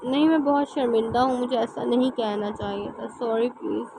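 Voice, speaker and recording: A woman's voice: a little high, steady tone, creaky, noisy background. A woman doing a timid, tearful young bride. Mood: apologetic. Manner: soft, hesitant, weepy.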